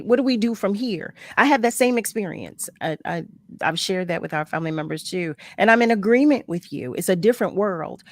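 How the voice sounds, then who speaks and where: A woman's voice: medium pitch, no room sound, clean studio sound. A woman hosting a radio talk show, asking probing questions and carefully restating them. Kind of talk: casual radio interview.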